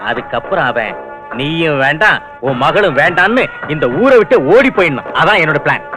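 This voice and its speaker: An actor playing a scheming, corrupt politician who lays out his plan calmly and flatteringly. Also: a little high, a little fast. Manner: plotting, calm and flattering. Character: scheming corrupt male politician, middle-aged. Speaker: corrupt minister. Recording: film soundtrack with clear music.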